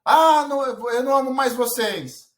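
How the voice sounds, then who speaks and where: Man imitating a little boy, whiny, pouting, high-pitched, loud. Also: normal speed, reverberant, far from the mic. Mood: sulky. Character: young boy, sulking when told off.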